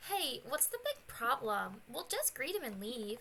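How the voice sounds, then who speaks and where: A woman's voice: high-pitched, sing-song, measured pace, bright, forceful tone, heavily acted. Woman doing a bubbly, bratty Valley Girl mean teen. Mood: pushy, dismissive. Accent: vague Valley Girl. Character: bratty mean teenage girl, pushy and scornful. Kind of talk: amateur game dub read-through.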